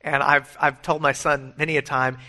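A middle-aged male pastor delivers a sermon in a bright, slightly raised voice. He sounds earnest and emphatic as he works through scripture. He slips easily into personal stories along the way. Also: a little high, level tone, moderate pace, low-quality recording.

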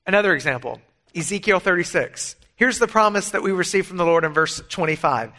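Bright-voiced man preaching earnestly. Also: sits high, animated, a little fast. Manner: earnest, emphatic preaching with personal stories. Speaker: pastor. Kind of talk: sermon.

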